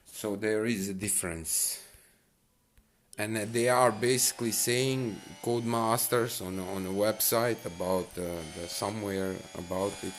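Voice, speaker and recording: A man's voice: fairly low pitch, fairly even intonation, a little slow, a little hiss or hum. A man giving casual, rambling commentary while playing a racing game, full of fillers and restarts. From Bosnia and Herzegovina. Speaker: mobile racing game streamer.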